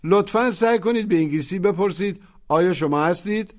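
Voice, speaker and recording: A man's voice: high voice, a little mellow. A man teaching a language lesson, patiently prompting listeners to repeat after him. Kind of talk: instructional narration. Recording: muffled lo-fi audio.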